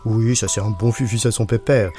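A man's voice: lowish voice, steady tone, brisk, music in the background, lightly acted. A man voicing an indulgent father who snaps at his son at night and teases him with baby talk. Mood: teasing. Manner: gruff then babyish teasing.

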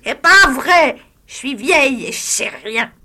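A woman's voice: expressive, measured pace, sharp tone, exaggerated voice. A woman reading a short story, voicing a spiteful, greedy, disfigured old hag with a grating, cackling voice. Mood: shrill, sneering. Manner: wheedling, shrill, sneering.

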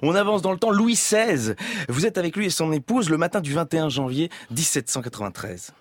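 Fast, lively mock-solemn radio humorist. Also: male voice, a little high, dry recording. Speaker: radio columnist. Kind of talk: satirical comic column.

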